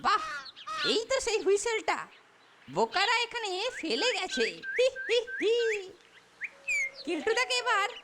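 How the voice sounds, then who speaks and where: A woman's voice: extremely high pitch, sing-song, a little slow, long pauses, noisy background, full character voice. A woman voicing a sneaky, tattling young boy who spies for a bully in a cartoon. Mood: sly. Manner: scheming, tattling. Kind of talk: cartoon dialogue. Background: loud music.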